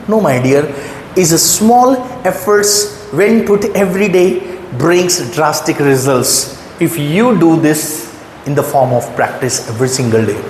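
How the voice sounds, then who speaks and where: A man's voice: on the high side, a little mellow, a little hiss or hum. A man with an Indian accent giving an emphatic motivational English lesson, often checking whether the listener follows. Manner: emphatic, asks the listener rhetorical questions. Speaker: English teacher. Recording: echoey room with long reverb, faint ambience.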